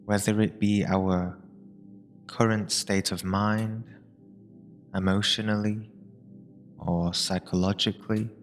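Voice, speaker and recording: Slow, low-voiced man guiding meditation. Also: flat delivery. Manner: soothing, measured, with long pauses between short phrases. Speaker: meditation guide. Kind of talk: guided meditation narration. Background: meditation music with binaural tones.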